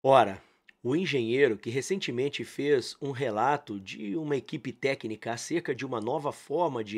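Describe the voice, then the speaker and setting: Male audiobook narrator, slightly high voice, animated dramatic reading. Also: slightly rough. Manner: lively, dramatic reading with acted quotes and laughs. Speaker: audiobook reader.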